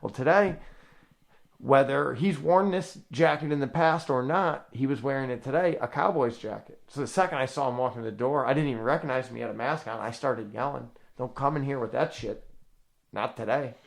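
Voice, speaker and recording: A man co-hosting a casual football podcast, telling stories and swearing freely, getting loud and excitable. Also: mid-range voice, fairly quick, vocal fry. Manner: profane, excitable, tells anecdotes. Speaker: podcast co-host. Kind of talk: casual sports chat.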